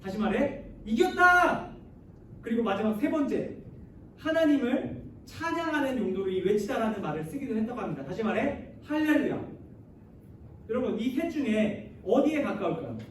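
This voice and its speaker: Man, very high pitch, youth sermon, talks straight to the listeners, leads scripture reading, heavy hall echo, distant mic. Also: animated, brisk, darkish tone. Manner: addresses the listeners often and asks them questions. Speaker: youth pastor. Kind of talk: sermon to high school students. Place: large church hall. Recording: very echoey hall, voice heard from afar, faint noise.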